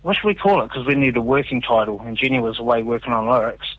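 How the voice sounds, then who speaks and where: Man, New Zealand accent, musician guest, animated storyteller, muffled lo-fi sound. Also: medium pitch, fast talker, breathy edge. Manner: animated storyteller, relaxed and chatty. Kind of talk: casual radio interview.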